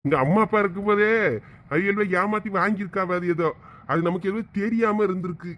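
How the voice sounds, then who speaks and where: A man's voice: high voice, brisk, a bit bright. A man playing a ruined middle-aged village man who laments losing his property. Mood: lamenting. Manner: tearful, lamenting. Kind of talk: village comedy skit.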